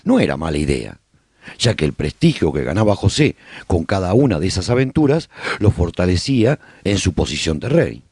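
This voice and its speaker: Guy acting as apocalypse survivor telling his story on a radio serial, mellow raspy voice, really varied intonation. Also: sits low, big pitch swings, normal speed, dry recording, studio quality, heavily acted. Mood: measured, reflective. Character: male survivor recounting life after a zombie apocalypse. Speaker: narrator of a serial radio drama. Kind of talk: scripted first-person radio drama narration.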